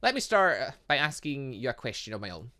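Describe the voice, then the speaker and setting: A scientist father read out by a man explains patiently in a visual novel. The voice is bright and measured, like a lecture, with lively turns of pitch. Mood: explanatory. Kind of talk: reading visual novel dialogue aloud.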